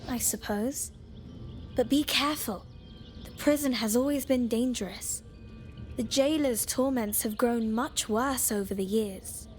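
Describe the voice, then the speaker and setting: A woman voicing a bright, curious, bookish young girl in a video game, eager and earnest. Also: a little high, unhurried, lightly acted. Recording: long reverb, faint music behind. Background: faint game music.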